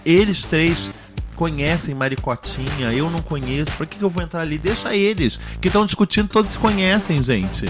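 A man co-hosting a casual podcast chat, telling stories with animated, theatrical asides. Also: a little high. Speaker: podcast co-host.

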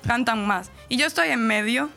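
Fairly high-pitched, creaky, pushed and bright, her voice moves at a moderate pace with faint music behind. She's a Cuban radio presenter with a central-eastern Camagüey accent, guesting in a casual interview, where she chats, explains at length and laughs readily.

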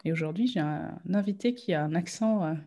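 A woman's voice: fairly low pitch, fairly quick, mellow. A woman hosting a podcast, asking questions in a playful, teasing way with easy laughter. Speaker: podcast host. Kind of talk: casual interview chat.

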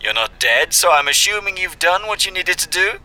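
A man's voice: high voice, animated, brisk, sharp tone, exaggerated voice, poor audio. An actor playing a chummy, breezy underworld job broker in an audio drama, with a casual salesman-like manner.

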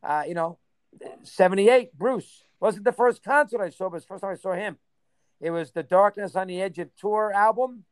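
Man in his sixties, high-pitched, smooth resonant voice, rambling, reminiscing, dry sound. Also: no echo. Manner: rambling, lists names in quick bursts. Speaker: interview guest. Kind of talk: casual reminiscing interview.

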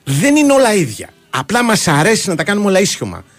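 A man's voice: high-pitched, wildly swooping pitch, no echo, faint music behind. A man, co-hosting a sports radio show, arguing his case in casual chat and piling up examples. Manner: argumentative, piles up examples and restarts.

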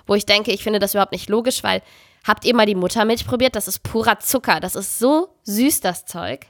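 A woman's voice: medium pitch, fairly quick, dry recording. Chatty young woman on a dry mic. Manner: chatty, animated storytelling with laughter. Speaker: podcast co-host. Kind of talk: casual chat.

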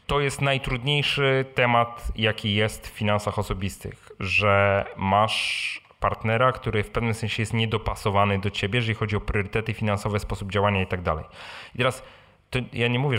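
A man's voice: mid-range voice, sharp tone. A man hosting a live question and answer talk, speaking informally, repeating words and often adding short tag questions. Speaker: host answering audience questions. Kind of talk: live Q&A talk on personal finance. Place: live event before an audience.

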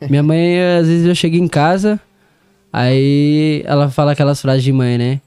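A man's voice: on the high side, steady tone, moderate pace, dark tone, smooth, no echo, studio quality. A young man telling stories as a podcast guest, easygoing and full of slang. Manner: laid-back street slang, storytelling, laughs often. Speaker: DJ and music producer guest. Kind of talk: casual podcast interview.

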